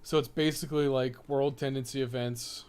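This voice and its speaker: A man's voice: medium pitch, fairly even intonation, moderate pace, darkish tone, clear, resonant tone. Sweary man rambling over a game. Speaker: game streamer and podcast co-host. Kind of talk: casual gameplay commentary.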